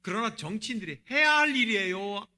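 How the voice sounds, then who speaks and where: A man's voice: high voice, animated, brisk, sharp tone. A man, the senior pastor, preaching a sermon and asking the congregation rhetorical questions.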